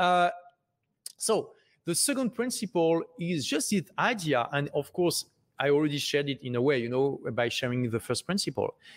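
A man with a French accent speaks at a moderate pace in a fairly high pitch with very wide pitch swings, on a very clean recording with a silent background and a dry, close sound with no echo. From France. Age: 40s. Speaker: author and entrepreneur. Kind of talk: live stream talk. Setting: live broadcast.

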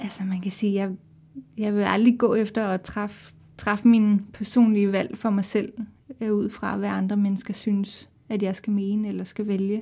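A woman speaks in a dark, mellow, somewhat breathy tone at a fairly slow pace, her intonation flat and monotone. The recording is very clean, with a silent background. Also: medium pitch for a woman. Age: 20s. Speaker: documentary participant. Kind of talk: interview.

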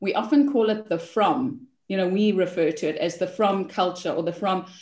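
Her intonation is lively and her voice somewhat breathy. The woman's tone is dark and mellow. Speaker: leadership consultant and author. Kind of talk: casual interview.

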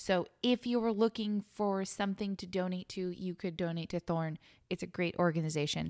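An unremarkable speaking voice at a moderate pace, fairly even intonation, dry, close sound with no echo. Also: woman, medium pitch for a woman. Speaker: podcast co-host. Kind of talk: casual chat over beers.

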